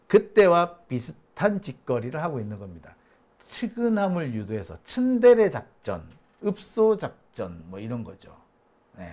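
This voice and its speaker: A man's voice: mid-range voice, a little mellow. A man hosting a live political commentary stream, talking in a combative, mocking way with bursts of swearing, and reading out viewer chat comments. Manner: combative, mocking, profane outbursts. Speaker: political commentary channel host.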